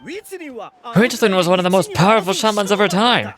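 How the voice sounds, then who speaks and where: A woman's voice: medium pitch, expressive, normal speed, soft background music, pitched below the performer's own voice, natural voice. A woman voicing a stubborn, earnest tribal believer in old legends from a game. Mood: insistent. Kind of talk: game dialogue read aloud.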